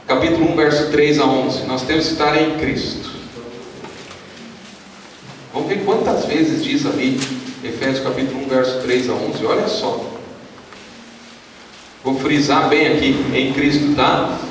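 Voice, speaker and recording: A Brazilian pastor preaching a sermon at a youth retreat, leading the congregation in call-and-response and reading scripture aloud. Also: male voice, mid-range voice, a little hiss or hum. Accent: Brazilian Portuguese. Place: large hall at a youth retreat. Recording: echoey hall, voice from far off.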